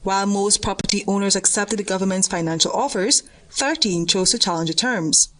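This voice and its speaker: A female news reporter from Guyana, reading a voice-over report in a measured, formal way. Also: mid-range voice, a bit bright.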